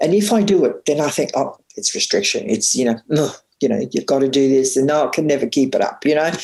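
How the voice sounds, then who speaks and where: A woman with an Australian accent talks at a very fast pace with lively intonation. Her tone is dark and mellow, and her pitch very deep and low. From Australia, north Queensland. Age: 60s. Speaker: coaching client. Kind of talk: personal coaching session. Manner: halting, many fillers.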